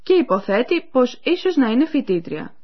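Female radio course presenter, clear explanatory delivery, animated pitch, muffled lo-fi sound. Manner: clear, explanatory, addresses listeners. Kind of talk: scripted educational narration. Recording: dull lo-fi radio recording.

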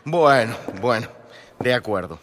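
A man's voice: medium pitch, lively intonation, unhurried, fairly bright tone, long reverb tail, a little hiss or hum. A man playing a grumbling, sarcastic character in a scripted radio drama. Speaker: Harry, the main character of a language-course radio drama.

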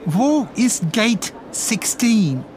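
An actor playing an eager, flustered English-speaking traveller who hesitates and exclaims in a radio drama. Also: male voice, sits high, big pitch swings, extremely slow, noisy background, heavily acted. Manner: hesitant, exclamatory, switching languages.

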